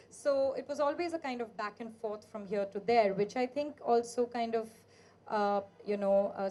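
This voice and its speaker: A woman moderating a book launch, retelling the author's story in a brisk way with fillers. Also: on the high side, darkish tone, slight background noise. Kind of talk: summarizing the book for an audience.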